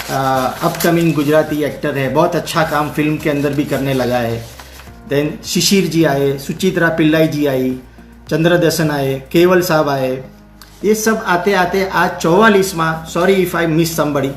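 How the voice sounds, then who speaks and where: A middle-aged man from India speaks, hosting a live talk in a halting way, full of fillers, restarts and English phrases. His voice sits a little high. The room echoes around him, with faint music underneath. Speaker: theatre producer and session host.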